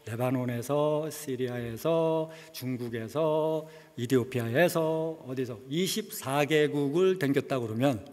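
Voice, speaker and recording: Man preaching, husky voice, conversational testimony, long church reverb, middle-aged. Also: a little high, darkish tone. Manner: conversational, mixes English words into speech. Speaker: missionary preacher. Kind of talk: sermon with personal testimony. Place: church sanctuary.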